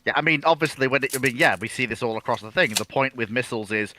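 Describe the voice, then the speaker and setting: A man's voice: mid-range voice, fast, pushed and bright, slight background noise. A man on a discussion panel, explaining off the cuff in a methodical, emphatic way and restating his points. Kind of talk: unscripted expert discussion.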